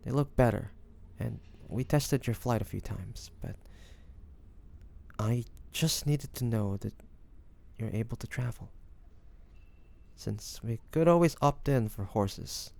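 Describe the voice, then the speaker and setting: A man playing a devoted young lover in an intimate romantic fantasy audio roleplay, speaking softly and haltingly with great affection. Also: mid-range voice, creaky. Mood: gentle, concerned. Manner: soft, hesitant, affectionate, halting phrases.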